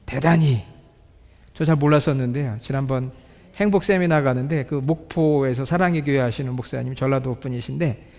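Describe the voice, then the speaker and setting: High-voiced male pastor, reverberant hall. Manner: asks the congregation questions, reads scripture slowly. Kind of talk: sermon. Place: church sanctuary.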